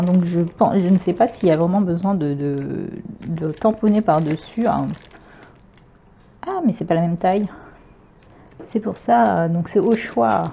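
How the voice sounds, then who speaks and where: A French woman talks casually through a craft-supply unboxing. She hesitates often, searches for words and laughs easily. Her voice sits at a middle pitch with a mellow, dark tone. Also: gravelly, slight background noise. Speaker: crafting vlogger.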